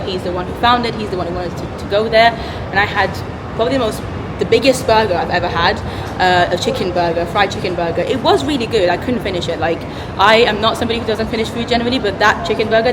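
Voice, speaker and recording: A woman chatting casually to camera for her vlog, rambling a little with restarts, out on a busy city street. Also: mid-range voice. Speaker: theatre vlogger. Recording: loud street traffic noise. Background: traffic and city sounds.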